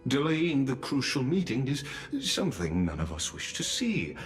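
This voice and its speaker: A man's voice: medium pitch, huge pitch swings, normal speed. A man voicing a formal male palace attendant who speaks with ceremonious courtesy in a video game. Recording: game audio under music.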